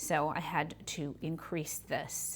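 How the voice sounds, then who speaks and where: Music plays in the background as a woman speaks. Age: 60s. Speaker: budgeting video creator. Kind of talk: casual tutorial.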